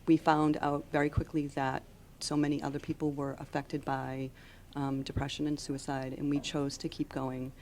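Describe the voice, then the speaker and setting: A woman with a very low, gravelly voice answers interview questions as the founder of a charity. She explains things earnestly and haltingly, recorded on location with slight noise behind her. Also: flat delivery, a little mellow. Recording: on-location audio with background noise.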